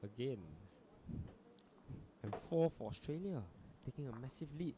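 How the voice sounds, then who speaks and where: A man from Singapore with a Singaporean English accent, giving relaxed, chatty live commentary on a bowls match, with frequent fillers. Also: medium pitch, unhurried. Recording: lo-fi broadcast audio with background noise.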